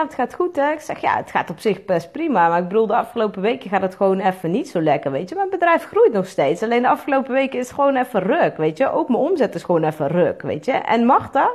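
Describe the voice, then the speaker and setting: A woman's voice: mid-range voice, a little mellow. A woman, an entrepreneur talking frankly on her own show, swearing freely and filling her speech with tag questions. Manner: frank and blunt, swears freely, fills with "weet je wel". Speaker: entrepreneur and podcast host. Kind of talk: candid solo monologue.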